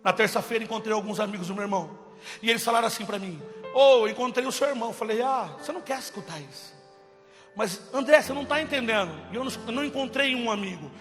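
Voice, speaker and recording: Guy preaching his testimony, really high bright voice, big echoey hall w soft music behind. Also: expressive, very fast. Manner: impassioned, swings from loud cries to hushed. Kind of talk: testimony sermon.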